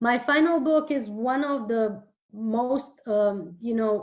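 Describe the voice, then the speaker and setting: A woman with a Romanian accent talks very slowly at a fairly high pitch, her pitch variation ordinary. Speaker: spiritual author. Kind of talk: interview.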